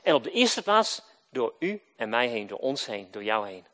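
This man's sermon swings from loud, forceful lines down to quiet, low finishes, and he asks his audience questions only to answer them himself. He's very animated and speaks at a moderate pace.

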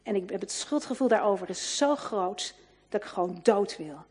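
A woman's voice: mid-range voice, lively intonation, normal speed, a little mellow, breathy edge. A woman reading out a despairing guilt-ridden woman. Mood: pleading. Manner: pleading, broken.

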